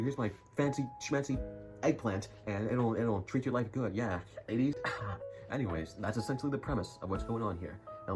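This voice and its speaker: A young man telling a rambling school story in a casual vlog, full of jokey, self-mocking asides. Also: on the low side. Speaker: YouTuber. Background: music.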